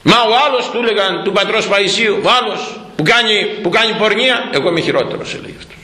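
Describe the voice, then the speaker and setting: A man preaching a sermon, animated, slowing down to quote old scripture. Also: sits high, reverberant, poor audio.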